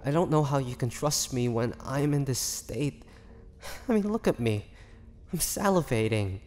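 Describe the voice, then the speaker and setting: A man voicing a starving, tormented vampire in a dramatic audio roleplay, speaking haltingly with breathy sighs. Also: mid-range voice, lively intonation, darkish tone, close to an everyday voice. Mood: pleading, tempted. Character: starving young male vampire, tormented, pleading, fighting bloodthirst. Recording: long echoing reverb, faint background noise.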